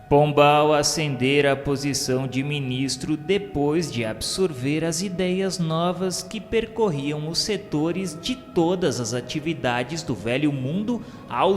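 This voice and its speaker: A man with a Brazilian accent narrates a radio drama in a formal, declamatory style. He takes his time over every phrase, and his voice trails into a long reverb with music playing underneath. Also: a little high. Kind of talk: solemn scripted narration of a radio novela.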